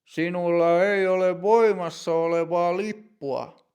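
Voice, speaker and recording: A firm ticket inspector speaks in a strict, even tone, put on by a male narrator. His voice is fairly high, with a gravelly edge. He is a no-nonsense figure in a language-learning story. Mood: stern. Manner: firm, stern.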